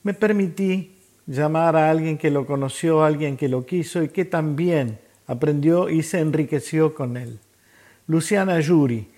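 A man hosts a radio program, introducing songs and a guest. His voice sits a little high for a man. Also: unhurried, mellow. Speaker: radio host.

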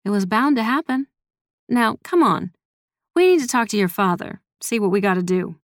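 A woman's voice: mid-range voice, animated, normal speed, no room sound, lightly acted. Lady doing a salty old grandma, blunt n scolding, protective, storybook character, close dry sound. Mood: firm reassurance.

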